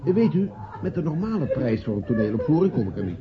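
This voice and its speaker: An actor playing an affable, cost-conscious theater manager in a radio play. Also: male voice, on the high side, sing-song, quick pace, heavy background noise. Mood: bargaining. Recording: muffled radio play, chattering party crowd.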